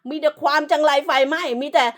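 Woman, high-pitched, harsh profane rant, insulting, scolding commentator. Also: fairly even intonation, fast talker, fairly bright tone. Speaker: online commentator.

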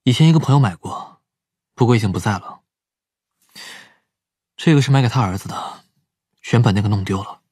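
An actor playing an astute, gentle psychologist detective in an audio drama. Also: male voice, on the low side, expressive, fairly quick, pauses often, slightly rough, no room sound, clean studio sound. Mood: polite, casual.

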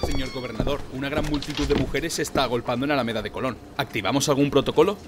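Actor as fast, deferential male aide. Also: mid-range voice, wildly swooping pitch, noisy background. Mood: anxious, deferential. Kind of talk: radio drama acting.

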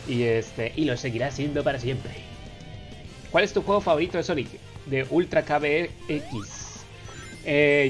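A Mexican gaming YouTuber in his twenties, with a Mexican Spanish accent and a slightly high voice, playfully fields viewer questions in a casual Q&A voice-over laid over gameplay. He reads each question out loud in a raised voice.

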